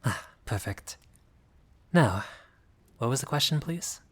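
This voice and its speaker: A man's voice: medium pitch, animated, takes it slowly, fairly bright tone, husky, full character voice. A man playing a friendly, bashful vampire in a roleplay audio, speaking in formal, polite, old-fashioned phrases with some hesitation. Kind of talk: intimate roleplay audio acting.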